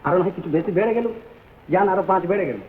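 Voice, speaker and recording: An actor playing a pushy, meddling house buyer with a low, drawling, overfamiliar voice in a vintage comic film scene. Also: male voice, rapid-fire, a little hiss or hum, close to an everyday voice. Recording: tinny lo-fi old film sound.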